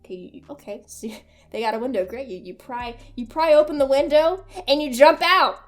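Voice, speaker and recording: A woman's voice: sits high, fairly quick. A woman hosting a horror commentary video in a casual, profane, joking and conversational way.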